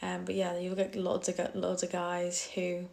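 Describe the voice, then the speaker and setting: A woman's voice: fairly low pitch, monotone, normal speed, gravelly, a little mellow. A young woman from Cumbria speaks in a broad Cumbrian accent, talking casually into her phone on a live stream. She reads viewers' comments aloud and answers them bluntly, laughing easily, with a matter-of-fact, dismissive edge toward her critics. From Cumbria, England.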